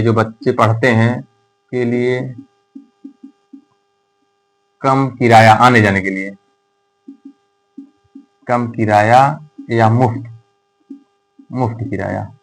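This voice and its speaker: A male teacher gives a relaxed, conversational classroom lecture at a medium pitch. He keeps asking his students rhetorical questions and slows right down to dictate notes. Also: low-quality recording.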